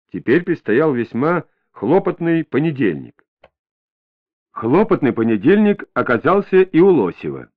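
A man reading a novel aloud as an audiobook narrator, in an expressive storytelling manner. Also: on the high side, phone-quality sound.

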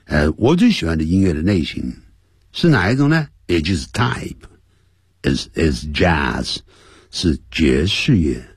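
A man teaching English on a radio lesson. He explains in Chinese and repeats the English phrases slowly, in a playful manner. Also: extremely low pitch, huge pitch swings, husky, no room sound, clean studio sound. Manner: playful, mimics sounds. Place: radio studio.

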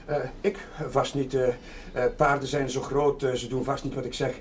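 A man's voice: medium pitch, flat delivery, moderate pace, a little hiss or hum, lightly acted. A man playing an amiable, slightly timid village Catholic chaplain in a television drama, chatty and hesitant. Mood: hesitant, polite. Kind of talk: 1970s television drama acting.

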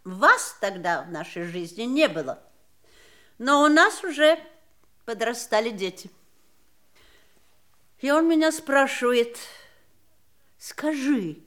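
An actress playing an elderly, bitter wife of a dying man in an audio drama, measured, reflective and dryly ironic. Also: high-pitched, big pitch swings, fairly bright tone, full character voice. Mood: wry reminiscence. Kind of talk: stage-style audio drama acting.

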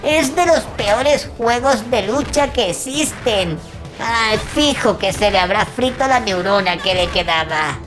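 A bossy, scornful old crypt master made of bones, acted by a woman. The voice is fairly high and takes its time, scolding theatrically as in a comedy horror audio drama, over clear music. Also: lively intonation, unhurried. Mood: dismayed.

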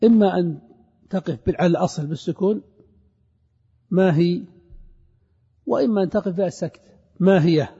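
A man giving a classroom grammar lesson. He asks questions and answers them himself, and he repeats each example slowly. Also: high voice, vocal fry, mellow, breathy edge. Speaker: grammar teacher. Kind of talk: classroom lecture on Arabic grammar. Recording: dull lo-fi recording with long hall reverb.

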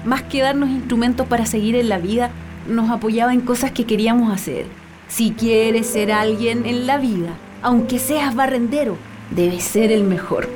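A young woman acting in a radio drama as a daughter fondly remembering her folk-singer father, speaking in a gentle, reflective way. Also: fairly high pitch, normal speed, noisy background, natural voice. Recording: music playing under the voice. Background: music.

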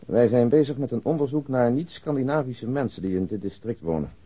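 A man's voice: medium pitch, fairly quick, slightly rough, close to an everyday voice. A man playing a polite police investigator in a radio drama, speaking formally and precisely. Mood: polite, official. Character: businesslike, polite male police investigator giving facts. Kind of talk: Dutch radio drama acting. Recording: dull, lo-fi radio drama recording.

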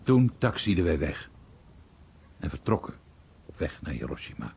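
A man's voice: a bass voice, sing-song, moderate pace, darkish tone, heavily acted. An actor voicing an American war airman, vividly recounting bombing missions as a documentary voice-over. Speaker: voice actor reading a veteran's memories. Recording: dull sound with clear background noise.

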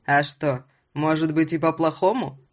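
A woman voicing a smug, mocking father who has been drinking, in a low drawling voice. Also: steady tone, normal speed.

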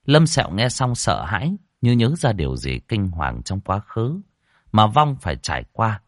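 Male storyteller, ghost tale narration, fairly low voice, lively intonation. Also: normal speed, dry recording, clean studio sound. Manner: animated, dramatic narration.

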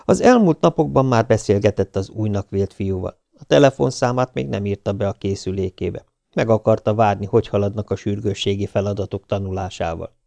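A man reading an audiobook in an even, measured way. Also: fairly low pitch, creaky, no echo. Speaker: audiobook narrator. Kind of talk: audiobook narration.

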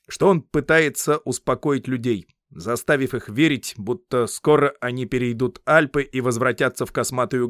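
A man's voice: medium pitch, no echo, clean studio sound, voice pushed up, lightly acted. Man reading as an eager Roman scout. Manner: lively, explaining at length. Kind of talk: audiobook character reading.

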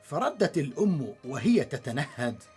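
A woman narrating a children's radio story in a measured, expressive storytelling manner. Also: extremely low pitch, soft background music.

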